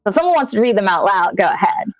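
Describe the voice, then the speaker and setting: A woman narrating a tabletop role-playing game as game master, improvising in a halting way. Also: mid-range voice, big pitch swings, no echo, faint music behind.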